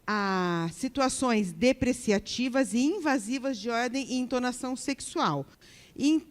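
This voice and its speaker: A woman's voice: on the high side, unhurried, big-room sound. A Brazilian woman giving a workplace harassment training to a live audience. She keeps checking in with the room and acts out example remarks.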